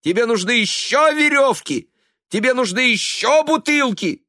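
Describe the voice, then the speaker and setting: A man's voice: very high-pitched, lively intonation, unhurried, sharp tone, no echo, clean studio sound, pitched above the performer's own voice, exaggerated voice. Anguished young guy, pleading and strained, male reader voicing him. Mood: shouting. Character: anguished young adult son, bitter and desperate. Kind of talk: audiobook character voice.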